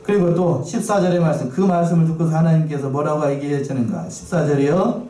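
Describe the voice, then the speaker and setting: In a church sanctuary, a male pastor with a brisk, mellow, slightly high voice preaches a sermon, often posing questions to the congregation and repeating key phrases. The recording is roomy and distant, with faint noise.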